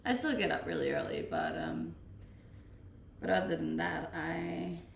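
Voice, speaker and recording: Deep and gravelly, this young native Danish speaker from Denmark talks at a measured pace during a home live stream. She casually voices each chat question before responding, and the roomy, far-off mic catches a little background noise.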